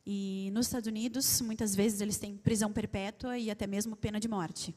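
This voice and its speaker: A woman's voice: medium pitch, a little fast. Woman interpreter in an echoing church hall. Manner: laughs easily, relaxed and conversational. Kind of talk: live consecutive interpreting. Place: large church auditorium with an audience. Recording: long hall reverb.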